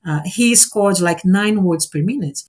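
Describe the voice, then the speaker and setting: A woman's voice: on the low side, unhurried, darkish tone. A woman in her forties, a native Portuguese speaker, hosting an online speaking exercise and explaining it in an encouraging way. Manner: explanatory, encouraging, frequent "right?" tags. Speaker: host of a speaking exercise session. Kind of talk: casual online group session.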